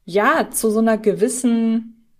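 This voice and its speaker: A woman's voice: fairly high pitch, unhurried, darkish tone. A woman hosting a podcast in a conversational, moderating style. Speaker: podcast host.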